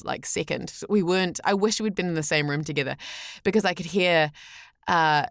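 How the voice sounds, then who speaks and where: A woman with a New Zealand accent chatting as an interview guest, telling anecdotes in a halting, chatty way full of "like". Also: fairly low pitch, creaky, no echo. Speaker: podcast guest, voice actor.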